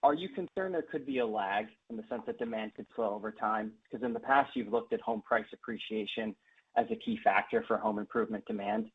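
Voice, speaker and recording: A man's voice: mid-range voice, sing-song, fairly quick, gravelly, slightly rough. A man asking a prepared question as a financial analyst on an earnings call. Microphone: phone. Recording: thin phone-line audio.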